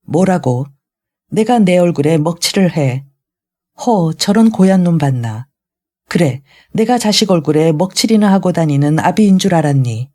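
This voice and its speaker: A raging old retired general roars insults and curses at his family in a storybook reading. His voice stays mellow and warm in tone, sitting at a middle pitch, as a reader acts him out. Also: lively intonation, normal speed, natural voice. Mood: ranting. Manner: shouting, scolding.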